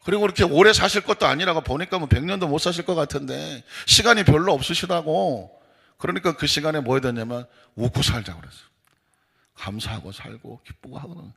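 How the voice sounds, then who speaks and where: A male pastor preaching an animated, folksy dawn-service sermon in a church, with a husky voice. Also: fairly high pitch, fairly quick. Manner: folksy, emphatic, acts out quoted congregants. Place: church sanctuary.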